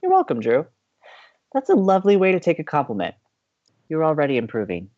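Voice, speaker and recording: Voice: medium pitch, wildly swooping pitch, brisk, a little mellow, muffled recording. A performer playing an upbeat, chatty young college radio co-host in an audio drama, teasing and playful. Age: young adult.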